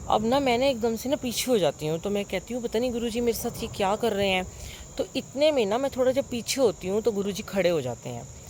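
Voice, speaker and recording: A middle-aged woman telling a congregation about a dream. She sounds full of wonder and earnest, with lots of pauses and fillers, recorded on a phone propped nearby. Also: mid-range voice, darkish tone, slight background noise. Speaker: devotee sharing a dream with a congregation. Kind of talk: devotional storytelling.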